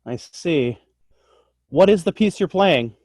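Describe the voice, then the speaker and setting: A man playing an anxious, exasperated high school band teacher in an amateur table read, speaking in a clipped way. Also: animated, slow pace, a little mellow, no room sound, clean studio sound. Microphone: virtual table read over video call.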